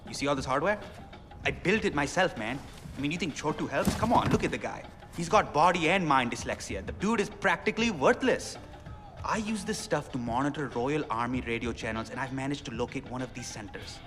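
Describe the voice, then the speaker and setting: An actor playing an excitable, chatty young rebel radio DJ in a video game, with a South Asian accent and theatrical, slangy, rambling talk. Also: male voice, medium pitch, fairly quick, natural voice. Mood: earnest, fired up. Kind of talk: game cutscene acting with radio patter. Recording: music behind, long reverb.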